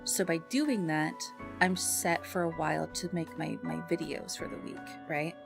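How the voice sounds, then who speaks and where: A woman livestreamer chatting casually with viewers in a bubbly, expressive and affectionate way. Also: low-pitched, normal speed, gravelly. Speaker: live streamer and ASMR content creator. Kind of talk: casual livestream chat with viewers, greeting them and reading messages. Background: background music.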